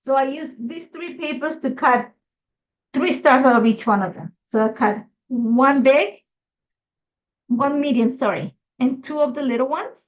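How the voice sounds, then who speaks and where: A woman's voice: high-pitched, unhurried, dull audio. Chatty Ecuadorian-born woman crafting live. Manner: chatty, thinking aloud while working. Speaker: craft host. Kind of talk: live scrapbooking tutorial.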